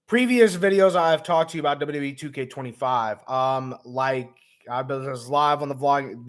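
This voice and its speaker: A man who is hoarse and raspy, hosting a laid-back gaming vlog livestream with lots of ums, talking to viewers as man and bro. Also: a little high. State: hoarse, lost voice. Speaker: gaming vlogger host. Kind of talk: casual livestream chat.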